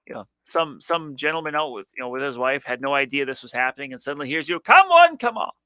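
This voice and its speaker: A man's voice: mid-range voice, fairly even intonation, quick pace, pushed and bright, clean tone, dry recording. A man from Wisconsin co-hosting a talk show in casual chat, chatty and hesitant with fillers. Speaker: co-host.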